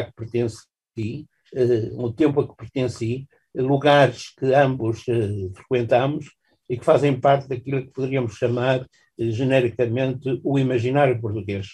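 This man has a medium pitch and a dark, mellow, somewhat breathy tone. He speaks at a moderate pace with ordinary pitch variation over a quiet background. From Portugal. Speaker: writer; guest. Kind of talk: interview. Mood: warm, appreciative. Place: home room. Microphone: video call.

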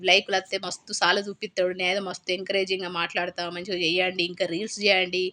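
Bright and sharp in tone, the woman's voice holds a medium pitch. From Telangana, village. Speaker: homemaker YouTube vlogger. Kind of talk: casual vlog talk.

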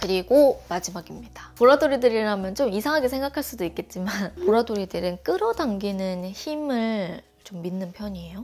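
A woman talks at a moderate pace and a medium pitch, with lively intonation. Her loudness swings a lot, and she hardly pauses at all. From South Korea. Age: 30s. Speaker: beauty YouTuber. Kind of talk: casual vlog chat. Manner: animated. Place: home room. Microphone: lapel.

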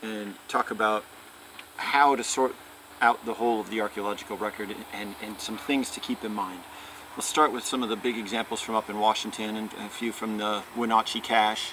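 A man with a plain, everyday voice speaks at a moderate pace, with fairly even intonation and a fairly low pitch. There is light background noise. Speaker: presenter. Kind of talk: lecture. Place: garden.

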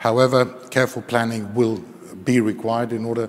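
The man keeps a moderate pace. His intonation stays fairly even. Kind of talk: panel talk. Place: stage. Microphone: lapel.

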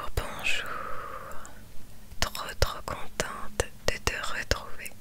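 The whispering moves at a very slow pace. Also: woman. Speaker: ASMR creator. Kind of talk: ASMR talk. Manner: whispered; soft-spoken.

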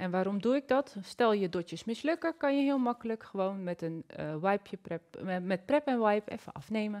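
A woman speaks at a fairly high pitch with very wide swings in her pitch. Her pace is fairly quick. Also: quiet background. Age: 20s. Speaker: nail technician and product distributor; nail artist guest instructor. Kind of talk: tutorial. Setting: studio. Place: studio. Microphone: lapel.

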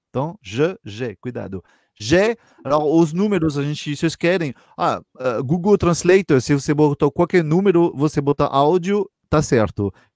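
Recorded dry with no echo and a quiet background, a man speaks at a fairly high pitch. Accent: French. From France. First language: French (speaking Portuguese). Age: 30s. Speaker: French teacher. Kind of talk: casual chat. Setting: livestream. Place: home room. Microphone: webcam.

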